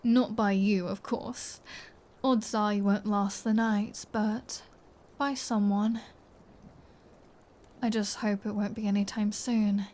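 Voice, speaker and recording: Woman acting as a female vampire, flirty, menacing, sardonic, unhurried, soft dark tone, whispery asides, intimate ASMR roleplay. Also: mid-range voice, fairly even intonation, close to an everyday voice. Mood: wry, fond. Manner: teasing, sardonic, often dropping to a whisper. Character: flirty, menacing female vampire taunting her captive hunter.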